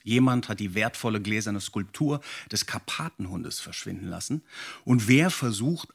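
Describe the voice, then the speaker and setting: Husky man hosting a podcast. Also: fairly low pitch. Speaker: podcast host. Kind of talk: casual podcast conversation. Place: home study.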